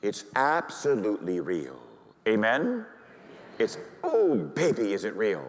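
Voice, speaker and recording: A middle-aged man, a priest, preaching and telling a story with great feeling, dropping to a hush and rising to high excited tones. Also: takes it slowly. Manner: animated storytelling, swings from hushed to high excited voice. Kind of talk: sermon. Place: church. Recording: reverberant church hall.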